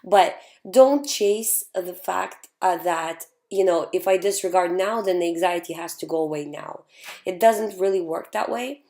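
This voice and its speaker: A woman hosting a live show and answering viewer questions in a calm, reassuring way, her voice still hoarse from having lost it. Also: lowish voice, a little slow. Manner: calm, reassuring, repeats key points. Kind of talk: casual advice talk.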